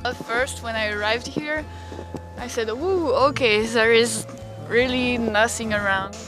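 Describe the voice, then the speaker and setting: Young woman, English, friendly, fairly high voice, echoey room over loud music. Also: unhurried. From France. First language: French. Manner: friendly, simple non-native English. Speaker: European volunteer. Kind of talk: casual home tour and reflection. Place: shared house indoors.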